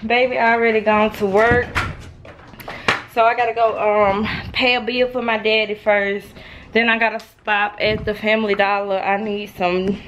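A woman's voice: mid-range voice, little pitch movement, normal speed, dull audio, noisy background. A woman in her twenties vlogging casually to camera, chatty and unfiltered, filming on a handheld phone at home and then in her car. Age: 20s. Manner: chatty, unfiltered, talks straight to viewers. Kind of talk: casual vlog rant to camera.

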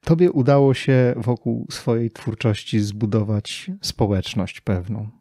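Male podcast interviewer, casual, with a soft dark tone and husky edge. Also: medium pitch, steady tone, unhurried, no echo.

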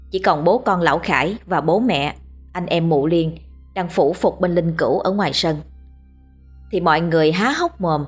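Woman storyteller, somewhat low and breathy, measured ghost story read, faint music under. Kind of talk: scripted ghost story narration.

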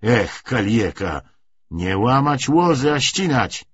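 A man's voice: mid-range voice, sing-song, takes it slowly, slightly rough, highs cut off, exaggerated voice. A man voicing a stern veteran cavalry lieutenant in an audiobook, giving riding instruction with crude, commanding sarcasm. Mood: commanding, scornful. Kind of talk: audiobook character reading.

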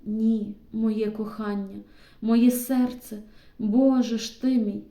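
A woman's voice: a little high, slow pace, mellow, reverberant. A woman voicing a tender, earnest young Cossack man in an audiobook reading.

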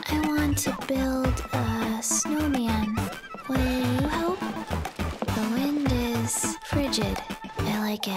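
A listless, forgetful little zombie girl from a video game. Her small, soft voice sits high and comes out slowly and flatly. Loud music plays behind her.

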